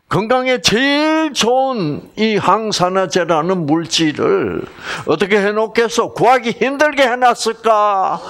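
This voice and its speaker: A man's voice: high voice, a bit bright. A middle-aged man giving a health lecture, asking his audience questions and joking with regional sayings.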